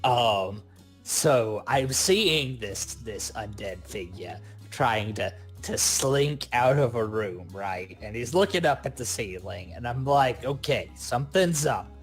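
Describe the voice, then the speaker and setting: A man's voice: on the low side, animated, takes it slowly, soft background music. A man chatting casually as a player in a live tabletop role-playing game.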